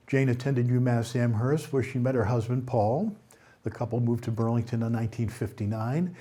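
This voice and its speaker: A man anchoring a local news roundup, reading stories in a steady way with occasional slips and self-corrections. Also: medium pitch.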